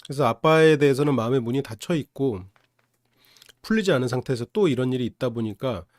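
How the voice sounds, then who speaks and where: Man giving relaxed analytical commentary. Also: mid-range voice, quick pace, dry recording, clean studio sound. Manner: explains in a conversational way, with rhetorical questions. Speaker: psychology counselor and show reviewer.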